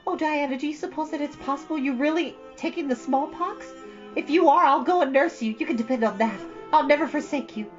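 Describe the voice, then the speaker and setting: A woman's voice: high voice, fairly quick, muffled recording, faint music behind, pitched above the performer's own voice, lightly acted. A woman voicing an imaginative, dramatic young girl who talks in breathless run-on stories. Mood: pleading. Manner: breathless, run-on storytelling, theatrical.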